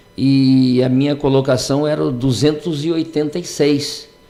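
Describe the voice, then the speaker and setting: A man speaks over noticeable background noise. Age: 60s. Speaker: retired air force colonel. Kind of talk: radio interview. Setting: radio studio.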